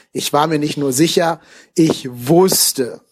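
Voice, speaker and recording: Talking at a fairly slow pace, a man uses a fairly high voice with very wide pitch swings. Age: 30s. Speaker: football fan sending voice message. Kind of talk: recorded voice message.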